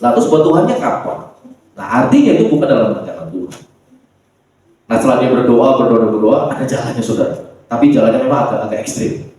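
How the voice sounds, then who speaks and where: A man from Indonesia, a pastor preaching a sermon in a church, lively and acting out the voices of the people he quotes. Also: mid-range voice, quick pace, pauses often. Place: church hall. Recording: echoey church from far off.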